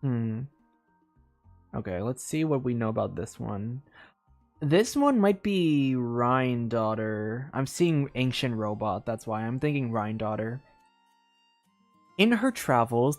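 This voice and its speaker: Reading a story in storybook fashion, a game streamer delivers it expressively and drifts into offhand asides. Speech is unhurried and medium-pitched, set against music.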